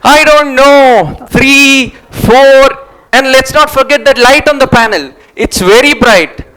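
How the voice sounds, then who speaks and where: Guy playing sarcastic exasperated stubborn man, high bright voice, stage play reading. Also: slow pace, clean tone, full character voice, poor audio. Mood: insistent. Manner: emphatic, sarcastic.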